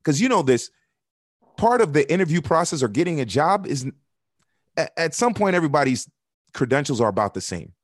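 A man's voice: fairly high pitch, very animated, brisk, long pauses, no room sound, studio quality. A man from Miami, a soccer broadcaster speaking as a podcast guest, candid and earnest, building his points through repetition. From Miami, United States. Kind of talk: podcast interview.

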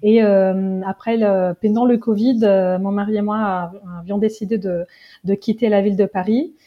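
A woman from Genoa in her thirties, speaking French with an Italian accent as an interview guest, pausing often with fillers and restarts. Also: medium pitch, steady tone, lo-fi sound. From Italy, Genoa. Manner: hesitant, many fillers and restarts. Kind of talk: casual interview.

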